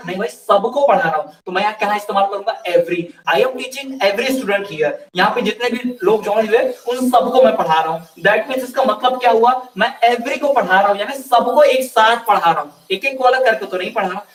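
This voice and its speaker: A man teaching an online English grammar class in a casual spoken style. He asks questions, answers them himself and works through everyday examples. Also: sits high. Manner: explains by repeated questions and examples, addresses viewers as "bhai". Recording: roomy echo, somewhat far from mic.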